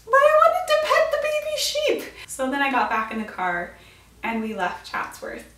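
A woman's voice: high voice, huge pitch swings, normal speed, sharp tone. An American woman in her twenties telling a story casually and dramatically to camera, in a chatty way. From United States. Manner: chatty, dramatic retelling with quoted reactions. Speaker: vlogger. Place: indoors, small bright room with bookshelf. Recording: roomy echo, distant mic.

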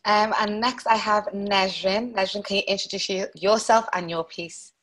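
Flat-toned young woman moderating a call. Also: mid-range voice, normal speed. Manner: upbeat, inviting others to speak. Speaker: event moderator. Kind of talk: moderating a video call discussion. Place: room at home. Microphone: wired earphone mic on video call.

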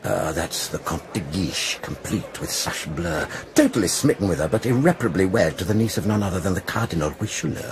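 Worldly tippler, lowish lively voice, knowing, wordy, radio play, crowd behind. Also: male voice, brisk, vocal fry, hardly any pauses, heavily acted. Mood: wry gossip. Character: worldly, gossiping, thirsty drinker and songwriter. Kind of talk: conversational period radio drama.

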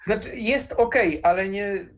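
A young adult game collector chats casually and enthusiastically as an interview guest on a video call, speaking in a high voice a little slowly. He uses a headset in a small room lined with game shelves, and the call audio is dull and lo-fi.

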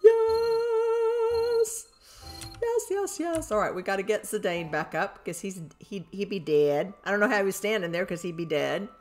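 An older woman streaming a video game, thinking aloud as she plays and bursting into excited squeals. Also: on the low side, fairly quick, few pauses, soft background music. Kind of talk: live gameplay commentary.

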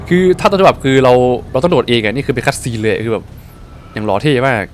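Excitable man commenting on a game. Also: mid-range voice, fast, faint music behind. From Thailand. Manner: excitable, exclaims and swears at the game. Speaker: gaming streamer. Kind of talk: casual let's-play commentary.

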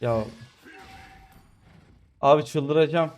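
A man commentating his own mobile game match, griping about his teammates with sudden excited outbursts. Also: fairly high pitch, drawn-out words, faint music behind. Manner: exasperated, complaining about teammates. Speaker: gamer streamer. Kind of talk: live gameplay commentary.

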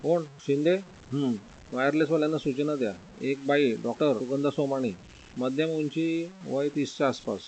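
A man voicing a stern middle-aged male police inspector who gives brisk orders over the phone. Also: mid-range voice, darkish tone, slight background noise, natural voice, rough recording.

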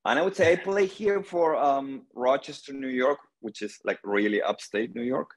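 A middle-aged man from Argentina, a guest player chatting relaxed on a video call from home, with many pauses. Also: mid-range voice, low-quality recording. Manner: relaxed storytelling, many pauses and "um", gestures with hands. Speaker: guest, senior pro pickleball player. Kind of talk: casual video call interview. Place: small room indoors at home. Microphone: laptop webcam on video call.

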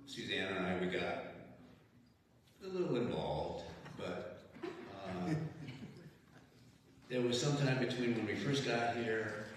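A middle-aged man reminiscing to his congregation in a halting, folksy way with chuckles, speaking at a stand mic in a chapel. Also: medium pitch, animated, creaky, a little hiss or hum. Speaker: longtime congregation member. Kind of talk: reminiscing testimony. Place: large chapel with hard walls. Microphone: stand mic, heard from a distant camera. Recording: echoey chapel, voice far from mic.

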